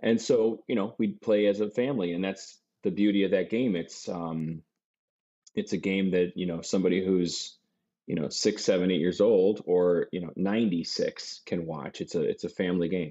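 A man with a very deep, low voice speaks at a moderate pace. His intonation is fairly even. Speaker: game show champion and radio host. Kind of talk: casual interview chat. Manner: joyful, charming.

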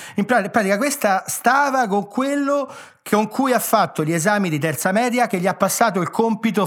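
This man has a high pitch and a slight Tuscan-Romagnol accent. He speaks at a fairly quick pace with lively intonation. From Tuscan-Romagnol Apennines, Italy. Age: 40s. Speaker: guest interviewee. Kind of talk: casual interview chat.

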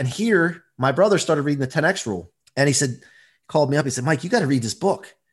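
A man speaks at a very fast pace with lively intonation. His voice is fairly high and somewhat breathy. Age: 40s. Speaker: performance coach and motivational speaker. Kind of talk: interview. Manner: animated.

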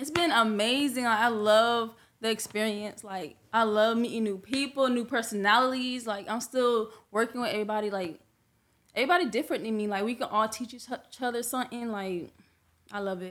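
Ordinary pitch variation marks a woman's normal speaking voice, pitched fairly high. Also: fairly quick pace. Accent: American. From Fort Pierce, Florida. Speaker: reality show cast member. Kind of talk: casual chat.

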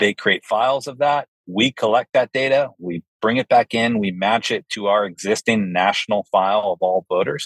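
Here a man has an unremarkable speaking voice with a fairly low pitch and ordinary pitch variation. He keeps a moderate pace with hardly any pauses. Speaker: political strategist and data firm CEO. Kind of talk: interview. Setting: in a car.

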